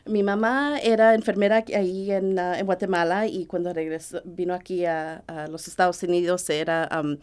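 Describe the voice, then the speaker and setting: A woman's voice: lowish voice, steady tone, normal speed, hardly any pauses, a little mellow, smooth. A woman from the United States with a US Latina Spanish accent, chatting as an interview guest and slipping English words into her Spanish. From United States, Hudson Valley. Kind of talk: casual interview conversation.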